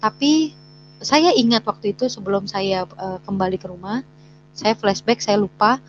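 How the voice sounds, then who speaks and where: A woman tells her conversion testimony at an even, medium pitch, stopping often to search for words. The recording is dull and lo-fi, with a faint hum underneath. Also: normal speed. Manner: hesitant, many "eh" fillers and restarts; acts out quoted dialogue in her story. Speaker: guest sharing a conversion testimony. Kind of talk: personal testimony, told as a story.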